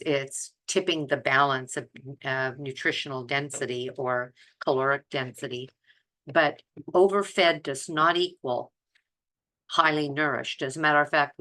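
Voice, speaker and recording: A woman's voice: very deep voice, bright, forceful tone. A woman speaking informally and earnestly as a health vlogger, giving emphatic commentary. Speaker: health vlogger advocating plant-based eating. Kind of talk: informal commentary on listed quotes.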